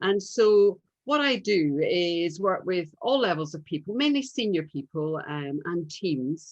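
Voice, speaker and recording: A fairly low-pitched woman with a slight Scottish accent, very wide pitch swings, a fairly slow pace, and hardly any pauses. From Scotland, Glasgow. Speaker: speaker and trainer. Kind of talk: interview.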